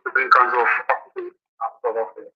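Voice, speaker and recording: A man's voice: medium pitch, huge pitch swings, fast talker, breathy edge, lo-fi sound. A man from Zimbabwe speaking as an interview guest, hesitant and full of fillers, heard over a poor remote line. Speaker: guest, youth organization ambassador.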